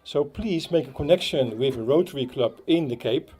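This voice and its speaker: A man with a Dutch accent giving a halting speech at a playground opening, with many fillers and restarts. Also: mid-range voice, expressive, a little mellow, slightly rough. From Netherlands. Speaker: Rotary club speaker. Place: outdoor playground.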